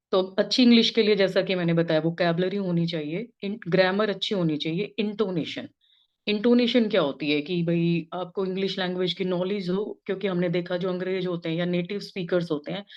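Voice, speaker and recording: A woman from India with a Hindi accent, an English lecturer giving an informal spoken lesson and mixing English phrases into her explanations. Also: fairly low pitch. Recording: dull lo-fi recording.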